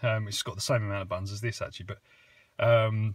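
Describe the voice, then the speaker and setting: Speaking at a very fast pace, a man with a somewhat breathy voice is heard against a quiet background, the sound dry with no echo. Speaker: radio hobbyist reviewer. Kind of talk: product demo tutorial. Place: car.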